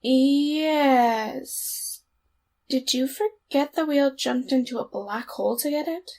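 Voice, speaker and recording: A woman's voice: high voice, takes it slowly, warm tone. A woman playing a tired, flippant young reluctant hero in an audio drama, offhand and sarcastic. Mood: casual, concerned.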